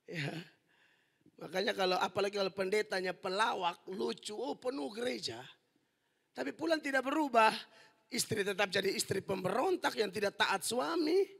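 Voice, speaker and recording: A man preaching a fiery sermon as pastor, forceful and humorous, sometimes rising to shouts. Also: sits high, vocal fry. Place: large indoor church hall. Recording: long hall reverb in large church.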